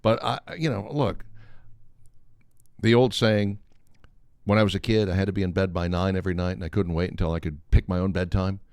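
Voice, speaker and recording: A man's voice: low voice, fairly even intonation, a little fast, long pauses, a little mellow, no room sound, studio quality. An American man in his fifties chatting casually as a radio host, telling stories in a wry way. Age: 50s. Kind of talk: casual chat and storytelling.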